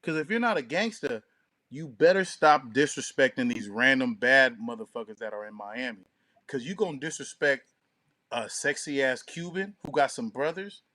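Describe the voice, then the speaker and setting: Male co-host, mid-pitched, casual and profane, slangy, acts out quotes, recorded very dry. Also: normal speed, sharp tone, dry recording. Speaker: podcast co-host. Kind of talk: casual chat.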